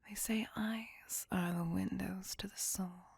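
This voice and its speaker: A woman voicing a tormented, possessive female vampire centuries old, whispering slowly and intimately into a close microphone in an ASMR roleplay. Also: medium pitch, steady tone, vocal fry, a little mellow, slightly rough, no room sound, exaggerated voice. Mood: brooding menace. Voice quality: whispered throughout. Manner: slow, brooding, intimate.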